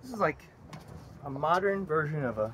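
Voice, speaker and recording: Lively man on an outdoor walking tour. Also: a little high, normal speed, background noise. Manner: relaxed, wondering aloud, asks many questions. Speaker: father filming a walking tour. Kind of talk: casual chat while walking. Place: outdoors on a sunny city plaza with metal walls and gardens. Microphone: 360 camera on a stick at arm's length.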